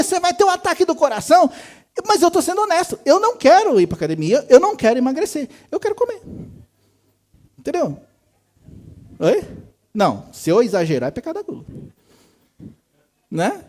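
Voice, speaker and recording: Animated man preaching casually. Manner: conversational, acts out quoted voices with big pitch jumps. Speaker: pastor. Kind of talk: sermon. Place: church service.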